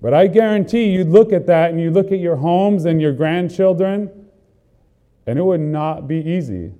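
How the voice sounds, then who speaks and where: A man's voice: fairly high pitch, warm tone. A man preaching a sermon, earnest and building emphasis through repeated phrases. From not from the country he is preaching in.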